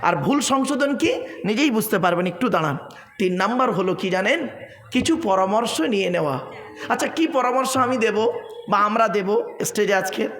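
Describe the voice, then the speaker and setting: A man's voice: high-pitched, animated, normal speed, a bit bright. A man preaching a sermon at a large religious gathering, quizzing the crowd with questions and laughing often in a playful, teasing way. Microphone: stage microphone. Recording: echoey open-air PA sound.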